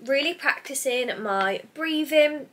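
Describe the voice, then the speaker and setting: A woman's voice: sits high, expressive, slow pace, noisy background. A young woman vlogging in a casual, rambling chat to the camera, sounding a little stuffy from a cold. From United Kingdom. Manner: chatty and rambling, sidetracks mid-thought. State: congested from hay fever or a cold.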